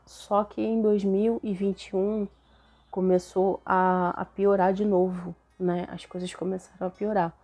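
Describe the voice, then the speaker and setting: A young Brazilian woman with a Brazilian Portuguese accent, hoarse and a little nasal from a cold, chatting casually to camera as host of her faith channel, often tagging her sentences with questions. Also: fairly low pitch, dark tone. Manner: chatty, frequent tag questions.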